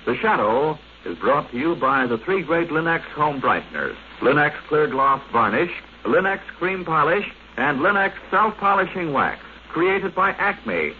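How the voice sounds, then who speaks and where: A muffled, faintly noisy vintage radio recording carries a man's fairly high voice. He is an old-time 1940s announcer with a polished, formal, promotional delivery. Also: very animated, measured pace, few pauses.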